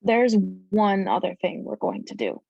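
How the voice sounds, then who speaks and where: A woman reads a commanding female raid leader in a drama. She is serious and brisk, with some fry in her voice. The recording is dry and a bit muffled. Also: mid-range voice, very animated, mellow, no echo, full character voice. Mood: firm. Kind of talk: screenplay table read.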